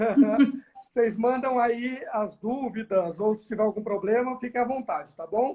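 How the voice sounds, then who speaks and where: Speaking at a moderate pace, a man with an extremely high pitch and a dark, mellow tone shows ordinary pitch variation and big swings in loudness. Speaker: law professor. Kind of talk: live stream discussion. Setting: Instagram live video.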